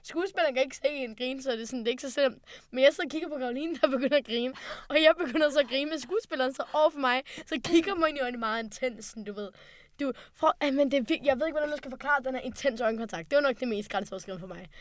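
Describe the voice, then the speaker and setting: Young woman, fairly high voice, halting casual chat, dry close sound. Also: no echo. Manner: hesitant, many fillers and restarts.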